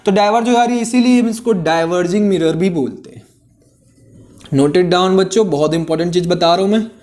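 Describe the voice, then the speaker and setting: A man with a high, slightly mellow voice moves briskly through a physics lesson in Hindi mixed with English. He explains one step at a time, repeats key phrases, and regularly asks the class if they follow.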